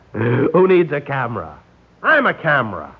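A glib young engineer. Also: male voice, mid-range voice, huge pitch swings, slow pace, full character voice. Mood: cocky. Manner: wisecracking, smooth-talking. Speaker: lead character and narrator. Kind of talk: 1960s radio drama acting. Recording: dull lo-fi old radio recording.

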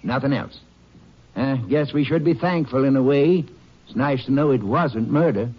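A man's voice: medium pitch, normal speed, husky, lightly acted. A man acting a matter-of-fact small-town doctor in a 1950s radio drama, plainspoken and explanatory. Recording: muffled 1950s radio recording.

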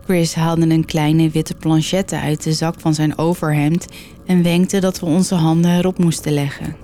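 A woman narrating a horror story in a steady, measured way. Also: deep voice, faint music behind.

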